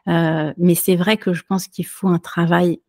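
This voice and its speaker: A woman who teaches French, answering interview questions casually with many pauses and fillers. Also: lowish voice, flat delivery, a little mellow, no echo, studio quality. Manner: hesitant, many fillers and restarts, light laughs. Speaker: French teacher and podcaster, guest.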